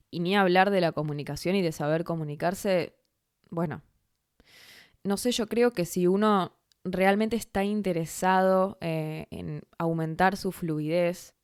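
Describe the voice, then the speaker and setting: A woman's voice: mid-range voice, a little mellow, clean tone, no echo, studio quality. A woman with a Rioplatense Spanish accent, a Spanish teacher hosting her own podcast and talking through ideas in a thoughtful, conversational way. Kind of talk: solo educational podcast monologue.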